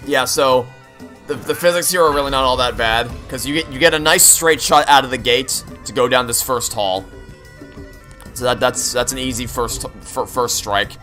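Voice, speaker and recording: Bright-voiced young man commentating a game. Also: medium pitch, moderate pace. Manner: opinionated, rambling. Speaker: video game playthrough streamer. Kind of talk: casual gameplay commentary. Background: game music.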